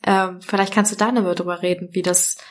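A woman co-hosting a podcast, who speaks to listeners casually with brief fillers. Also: fairly low pitch. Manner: relaxed and brisk, with fillers. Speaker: podcast co-host.

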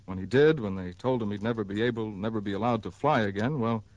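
A man voicing a measured, grave insurance executive from an old radio drama, his voice sitting low and steady as he lays out the facts patiently. It is an old broadcast recording. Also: dry recording, close to an everyday voice, low-quality recording. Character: calm middle-aged male insurance executive. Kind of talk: 1960s radio drama acting.

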